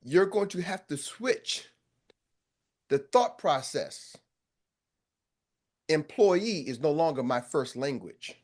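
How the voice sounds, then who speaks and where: A high-voiced American man leads a group call as a sales coach. He talks in a fiery, preacher-like way and drives his points home by repeating them. The energy stays high as he pushes the listeners. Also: lively intonation, slow, long pauses. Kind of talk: motivational pep talk.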